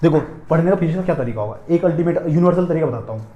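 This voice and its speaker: Fast-talking male physics teacher, echoey room. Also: on the high side, expressive, lo-fi sound. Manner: repetitive, drilling questions to students. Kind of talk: classroom lecture. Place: classroom.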